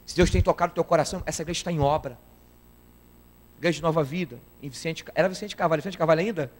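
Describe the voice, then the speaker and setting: A man preaches to his congregation with a high, ringing voice. He is emphatic and keeps calling out for an amen between points. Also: rapid-fire. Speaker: guest preacher. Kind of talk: sermon.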